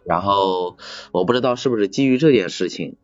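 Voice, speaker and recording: A man in casual chat, talking haltingly and often repeating his phrases. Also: lowish voice, dry recording. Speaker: podcast speaker, factory assembly worker. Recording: slightly dull, music behind. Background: music.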